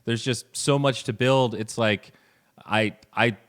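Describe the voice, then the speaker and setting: A man hosting a casual interview, talking in a relaxed, rambling way with friendly asides. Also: mid-range voice, slow. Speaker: podcast host.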